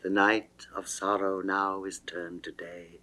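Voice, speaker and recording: A man's voice: low voice, little pitch movement, pushed and bright. A man giving a dramatic, declamatory reading of classical narrative poetry. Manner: theatrical, measured, declamatory. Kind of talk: dramatic reading of Elizabethan verse.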